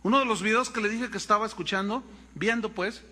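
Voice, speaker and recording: Brief: Mexican man, pastor, lively sermon storyteller, high bright voice. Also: a little fast, big-room sound. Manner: animated storytelling, addresses congregation as brothers.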